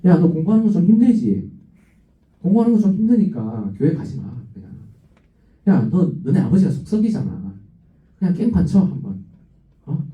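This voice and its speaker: A man's voice: on the high side, big pitch swings, normal speed, long pauses. A man voicing the world as a crude, goading tempter in a youth sermon. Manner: taunting, egging on. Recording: roomy dull sound from a distant mic.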